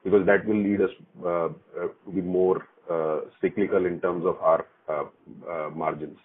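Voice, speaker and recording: A man asking questions as an analyst on an earnings call, polite and halting, over a phone line. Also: low-pitched, steady tone, slight background noise. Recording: muffled narrow-band phone line.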